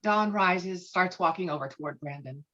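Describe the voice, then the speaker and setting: A woman's voice: on the low side, moderate pace, bright, forceful tone, lo-fi sound. A woman reading screenplay stage directions as scripted narration in a virtual table read.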